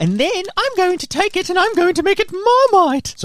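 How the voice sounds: A put-on character voice sounds squeaky at an extremely high pitch. It moves at a moderate pace.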